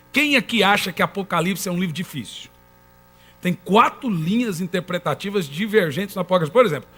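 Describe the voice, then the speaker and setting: A man preaches with a very high, bright voice. He presses his points and calls on the congregation to answer. Soft music sits faintly under the live church recording. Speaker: pastor. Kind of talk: sermon.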